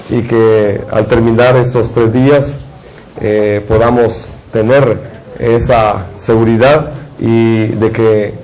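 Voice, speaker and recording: A man's voice: on the low side, a little mellow, low-quality recording. A man from Guatemala, a preacher giving a sermon and leading a prayer with a repetitive, fervent cadence.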